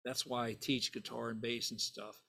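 A man's voice: medium pitch, level tone, normal speed, creaky, bright, forceful tone. An older man whose first language is Italian, telling stories in a casual interview and rambling with lots of "you know" and "right?". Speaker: bassist guest.

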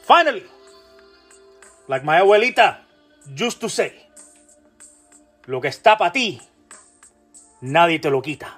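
A man puts on a theatrical Latino motivator with a high voice and a Spanish accent in English. He delivers a comic pre-game pep speech, solemn, pompous and rousing, over music. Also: very animated, measured pace, pauses often, a bit bright, full character voice. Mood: solemn, proud. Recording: music behind the voice.

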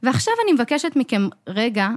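A woman's voice: fairly high pitch, very animated, no room sound, studio quality. A young adult woman co-hosting a podcast as a coach, explaining earnestly in casual chat and acting out the voices in her head.

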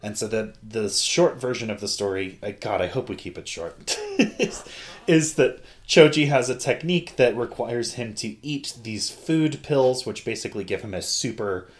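A man hosting a podcast in casual, joking chat, rambling off on tangents with the odd swear word. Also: lowish voice. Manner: jokey, rambling, digressive, mildly profane. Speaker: podcast host. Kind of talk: casual chat recapping an anime.

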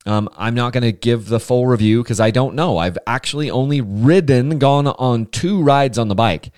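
A man's voice: medium pitch, normal speed, a little mellow, no room sound, clean studio sound. A man hosting a casual solo podcast, chatty and enthusiastic, rambling with frequent restarts. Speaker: podcast host.

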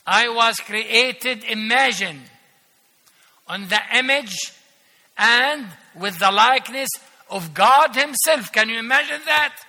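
An older man delivers a sermon at a slow, deliberate pace, his voice high and very bright. He leans on emphasis and dry irony, and the sound rings out with a long reverb from the church hall. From Palestine. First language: Arabic. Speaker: archbishop preaching as guest. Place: large church.

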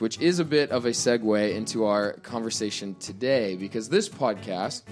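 A man hosting a church podcast, speaking in a friendly, conversational way. He asks open questions at a middling pitch, with soft music faintly behind him. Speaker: pastor and podcast host. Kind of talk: casual podcast interview.

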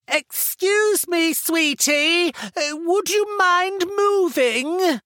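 A man voicing a camp, theatrical gentleman with a plummy upper-class English accent and grandiose, over-dramatic delivery in an audiobook. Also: very high voice, very slow, no echo, studio quality, voice pushed up, heavily acted. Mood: fussy, condescending.

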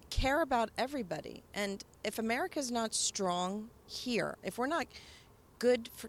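A woman interviewer who responds sincerely and affirmingly, with hesitant fillers. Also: a little high. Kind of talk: casual interview conversation.

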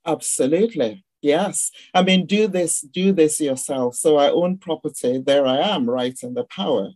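A woman with a Nigerian accent, a guest speaker explaining ideas in a measured way on a video call. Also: deep voice, darkish tone, no echo. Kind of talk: online discussion session.

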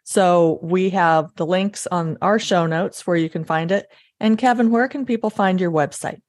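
A woman's voice: on the low side, moderate pace, a little mellow, dry recording. Dry-miked Midwestern woman podcast host. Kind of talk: casual faith interview.

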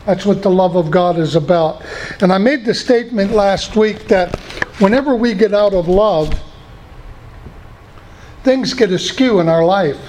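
A man's voice: high-pitched, a little slow, pauses often, darkish tone, slight background noise, poor audio. An older man, a pastor telling stories in a sermon with folksy asides to his congregation.

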